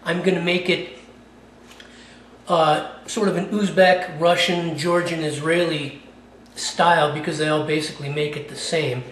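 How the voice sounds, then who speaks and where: A man hosts his own cooking channel, casually walking through a recipe and chatting, often checking in with "okay?". His fairly high, fairly bright voice holds a level tone and moves a little slowly. The room is echoey, the mic sits a bit far off, and there's slight background noise.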